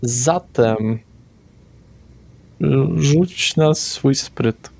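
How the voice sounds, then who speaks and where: Brief: male game master narrating a vampire tabletop session, mid-pitched, unhurried and hesitant. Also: vocal fry, darkish tone, dry recording.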